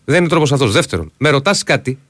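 A man co-hosting a radio talk show, firmly calming down an agitated caller. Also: medium pitch, no room sound. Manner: firm, tries to calm the caller down. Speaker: radio co-host.

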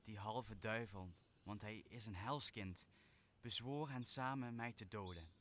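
Man playing low-voiced, commanding exiled magician. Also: unhurried, fairly bright tone, a little hiss or hum. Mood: stern. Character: commanding exiled magician, stern yet forgiving master. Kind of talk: stage-like Shakespearean radio drama.

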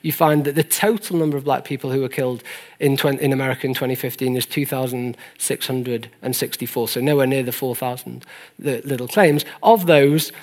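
A man's voice: mid-range voice, steady tone, brisk, darkish tone. A man lecturing in an earnest, didactic way, stressing key points as he explains figures to an audience. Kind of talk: explanatory presentation of statistics to an audience.

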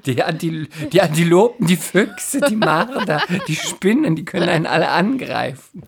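Casting: low, gravelly female podcast co-host from the Palatinate, dramatic comic storyteller with big swings in pitch. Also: expressive, moderate pace. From Palatinate, Germany. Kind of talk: casual comedic chat and anecdotes.

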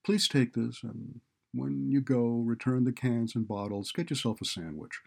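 A man voicing a kind, considerate man in a story, gentle but insistent. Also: medium pitch, normal speed, vocal fry, pitched above the performer's own voice. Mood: kind, urging. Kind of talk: audiobook character dialogue.

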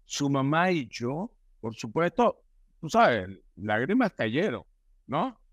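A man's voice: fairly high pitch, big pitch swings, slow pace, no room sound, studio quality. A man as a podcast guest, telling stories emphatically and repeating himself. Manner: emphatic, repetitive storytelling. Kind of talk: casual spiritual conversation.

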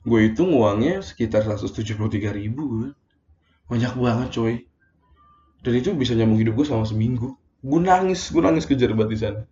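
A young man recounts a personal episode in loose, slangy talk, stumbling over his words when feelings rise. His voice sits warm and mellow. The recording is a dull, lo-fi phone voice message in a roomy space. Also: medium pitch, brisk, a little hiss or hum. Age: young adult. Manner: slangy, emotional retelling with many fillers. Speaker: storyteller. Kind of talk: casual personal monologue.

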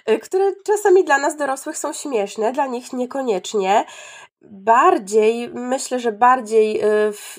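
A preschool teacher speaking in a loose, conversational way, pausing often with fillers and restarting her sentences. Her voice sits a little high for a woman. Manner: hesitant, many fillers and restarts. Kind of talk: casual discussion.

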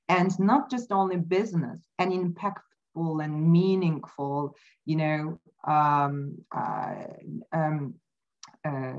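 A woman whose first language is not English, speaking as an interview guest, thoughtful and halting with many fillers. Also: deep voice, muffled recording. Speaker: podcast guest. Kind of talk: casual interview talk. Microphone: remote call mic.

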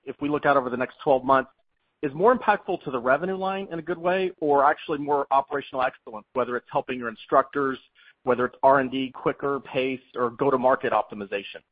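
A man's voice: medium pitch, no echo. Chatty male analyst on a phone line. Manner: chatty, rambling preamble. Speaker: financial analyst caller. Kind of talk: informal question on an earnings call. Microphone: telephone. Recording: thin phone line, very dry.

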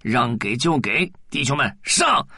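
A man voicing a bossy black ant leader who barks orders in a slow, heavy way. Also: mid-range voice, lively intonation, vocal fry, bright, forceful tone, breathy edge, no echo, clean studio sound, full character voice.

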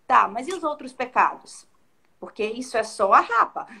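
A woman's voice: on the high side, big pitch swings, normal speed, creaky, sharp tone, breathy edge. A woman, co-hosting a casual devotional chat and reflecting on scripture, often acting out quoted speech in shifting tones. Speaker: co-host of a Bible discussion.

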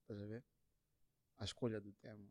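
A man in a casual, conversational interview, answering as a musician guest. He talks in a halting way, circling back to repeat his phrases and slipping in English slang. The sound is close and dry. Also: lowish voice, little pitch movement, dark tone, no room sound.

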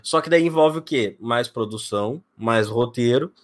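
A man's voice: medium pitch, normal speed, dry recording. A young man from Brazil, chatting as a guest on a podcast. He talks eagerly and piles on slang. The voice sits mid-range on a dry, close studio mic. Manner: excitable and talkative, heavy slang. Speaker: podcast guest, video editor. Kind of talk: casual podcast chat.

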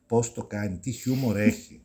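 Middle-aged man, actor guest, mellow low voice, echoes his own phrases. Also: fairly even intonation, husky. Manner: repeats his words for emphasis. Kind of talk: casual interview chat.

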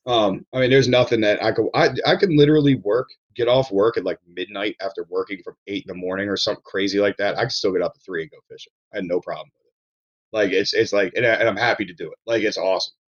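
A man's voice: lowish voice, fast talker, lo-fi sound. A man from Maryland talking casually on a podcast as a chef guest, rambling with restarts and blunt swearing.

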